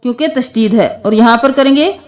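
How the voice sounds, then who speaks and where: A woman teaching tajweed, chanting Quranic words slowly and spelling them letter by letter with their vowel marks, with an Urdu-speaking South Asian accent. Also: on the high side. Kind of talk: tajweed lesson, slow chanted recitation between quick explanations.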